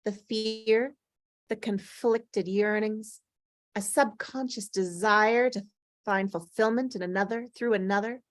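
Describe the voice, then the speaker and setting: A woman's voice: medium pitch, a little slow, dry recording, studio quality, natural voice. A woman playing an eerie, coyly innocent woman in white who needles and probes, in a scripted table read. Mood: probing, knowing.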